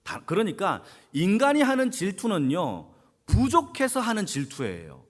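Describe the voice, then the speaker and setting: A man's voice: high voice, wildly swooping pitch, normal speed. A man preaching a Sunday sermon as senior pastor, asking the congregation questions and answering them himself, and repeating key phrases for emphasis. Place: church sanctuary.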